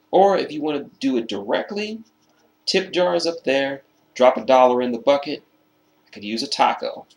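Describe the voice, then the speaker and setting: A man presenting a card game deck in casual commentary, reading out card text and stressing key phrases by slowly repeating them, his voice slightly hoarse. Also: mid-range voice.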